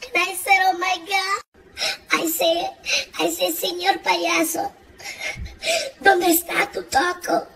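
Performer doing a boastful Latina woman, very high voice, slow drawn-out delivery, Spanish words mixed in, bright tone, faint ambience. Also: flat delivery, creaky, a little hiss or hum, exaggerated voice. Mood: dramatic gossip. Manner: mixes Spanish words into English, laughs often. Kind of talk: comic character monologue.

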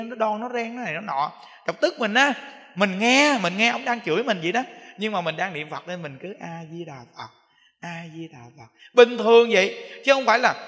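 A high-voiced man takes the role of a Buddhist monk giving a dharma talk, his accent southern Vietnamese. He repeats himself with animation and acts out everyday examples, all captured in a hall full of echo.

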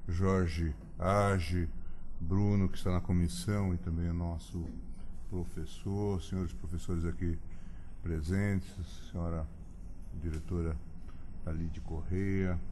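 A man chairing a lecture event, giving a formal, measured introduction with frequent hesitations. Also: low-pitched, steady tone, mellow, a little hiss or hum. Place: lecture hall.

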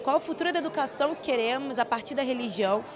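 A woman's voice: sits high, very fast, a crowd in the background. A young woman answering assertively in an interview at an event, into a handheld mic. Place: indoor event venue.

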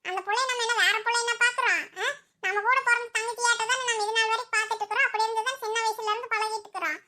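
A woman voices a caring, scolding village aunt in a cartoon, in a very high, bright and piercing voice. She fusses over everyone in a homely, chiding way. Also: fairly even intonation, very fast, slight background noise. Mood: scolding, consoling. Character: older village women of a big family, caring and scolding. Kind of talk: cartoon voice acting.

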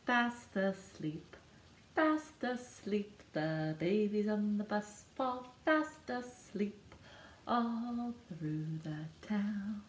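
A woman in her thirties, a children's librarian, singing a picture book for babies at home in a slow, bouncy sing-song with sound effects. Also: medium pitch, animated, echoey room, a little hiss or hum. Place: living room with a couch and a decorated wall.

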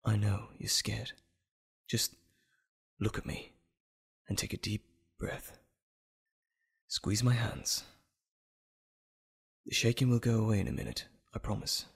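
A man's voice: on the low side, level tone, slow, vocal fry, long pauses, slightly rough, full character voice. A man playing an anxious, caring doctor in an audio drama, earnest and soothing.

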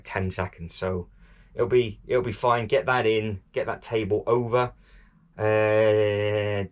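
Chatty man, lowish voice. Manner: chatty, self-deprecating, lots of fillers and repeats. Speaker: vlogger. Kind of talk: casual vlog narration while painting and tidying. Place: indoor hobby room at home.

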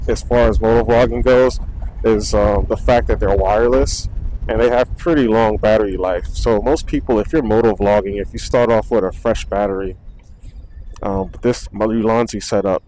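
A young man vlogging casually about his gear while riding a motorcycle, speaking low and easygoing into a wireless mic clipped inside his helmet. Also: rough recording. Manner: relaxed, rambling, talks low near the mic. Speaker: motovlogger. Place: indoors at home, then riding a motorcycle on city streets. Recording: faint road and wind noise.

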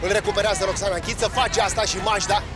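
A man giving live play-by-play commentary on a competition, calling each move quickly. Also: high-pitched, loud music behind the voice, over a noisy crowd. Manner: rapid, excited calls. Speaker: sports commentator.

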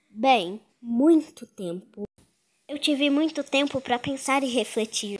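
Woman playing a hushed, eerie doll. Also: fairly high pitch. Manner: hushed, measured, softly ominous. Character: small, eerie, soft-spoken female doll. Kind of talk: horror game fan dub acting.

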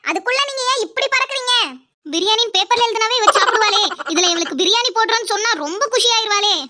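A woman's voice: extremely high pitch, fast talker, noisy background. A woman voicing a sly, greedy village gossip in a cartoon dub who teases and eggs others on. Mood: sly, teasing.

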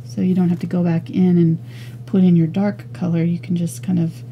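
A woman teaching an acrylic painting lesson, talking casually and thinking aloud as she works, with soft murmured asides. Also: lowish voice, flat delivery, moderate pace, dull audio, a little hiss or hum. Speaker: painting instructor. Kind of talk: relaxed step-by-step art lesson.

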